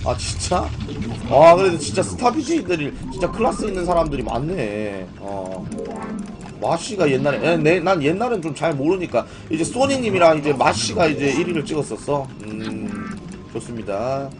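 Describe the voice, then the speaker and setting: A man's voice: a little high, big pitch swings, normal speed, heavy background noise. A man with a strained throat hosting a gaming live stream, chatting informally and often putting questions to his viewers. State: strained throat, voice in poor condition. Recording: music playing behind the voice. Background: music, keyboard typing.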